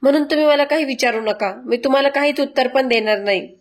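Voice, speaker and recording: A woman's voice: sits high, fast talker. A woman voicing a hurt, defiant young wife refusing to answer.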